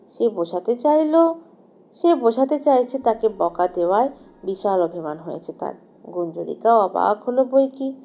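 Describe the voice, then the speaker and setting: A woman narrating an audio novel in an expressive, dramatic, literary scripted style. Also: medium pitch, dull audio.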